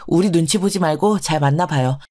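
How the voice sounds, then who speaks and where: A woman's voice: low voice, brisk, pitched below the performer's own voice. A woman voicing a cheerful teenage son and daughter who tease and encourage their mother. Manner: bright, cheeky and encouraging.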